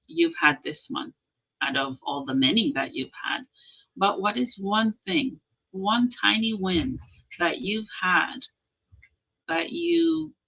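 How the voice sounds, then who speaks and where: A woman's voice: mid-range voice, bright, forceful tone, husky, highs cut off. A woman hosting a motivational livestream, encouraging her viewers, often checking in with "okay?" and reading out their comments. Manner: reads out and answers viewer comments. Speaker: livestream host.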